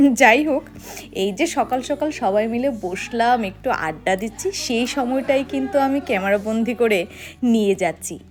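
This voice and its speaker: A young woman from Agartala chatting to her viewers as she vlogs her day and tells little stories. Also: a little high. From Agartala, Tripura, India. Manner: chatty, warm storytelling to viewers. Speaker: vlogger. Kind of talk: casual vlog narration.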